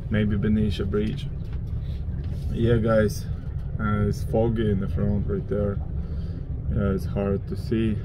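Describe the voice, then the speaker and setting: A man talks very slowly with long, frequent pauses and ordinary pitch variation over noticeable background noise. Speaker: fishing vlogger. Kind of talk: casual vlog chat. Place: boat. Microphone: phone near.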